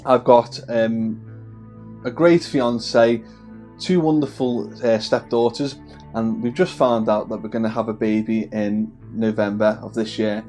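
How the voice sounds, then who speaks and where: A man's voice: on the low side, steady tone, a little slow, warm tone, faint music behind. Chatty man with a Scouse-tinged Wirral accent. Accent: Wirral, with a Scouse twang. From the Wirral, England. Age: 30s. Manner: chatty and friendly, with many fillers and restarts. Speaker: hobby miniature painting channel host. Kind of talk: casual to-camera chat.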